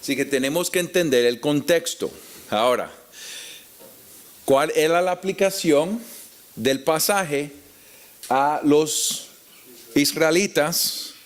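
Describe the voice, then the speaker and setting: A man with a Puerto Rican Spanish accent teaching the Bible to an audience in a deliberate, explanatory way with rhetorical questions. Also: on the high side. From Puerto Rico. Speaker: preacher teaching at a conference.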